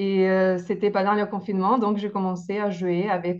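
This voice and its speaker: The speech moves at a fairly slow pace with monotone, flat intonation. The background is quiet. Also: woman. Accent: slight Ukrainian. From Ukraine. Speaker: food photographer. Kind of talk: interview. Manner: halting, many hesitations.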